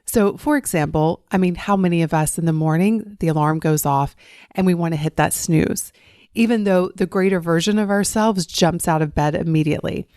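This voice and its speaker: A woman hosting her own life coaching podcast, speaking in a warm, effusive and encouraging way. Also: on the low side, moderate pace, no room sound, clean studio sound. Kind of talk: podcast monologue. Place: recorded while traveling abroad.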